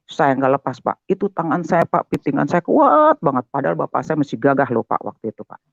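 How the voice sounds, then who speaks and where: An older man telling his conversion testimony as a guest, animated and talking straight to his listener. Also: fairly high pitch, a little fast, gravelly, no room sound. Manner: animated, keeps addressing the listener as "Pak". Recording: dull, muffled, dry sound.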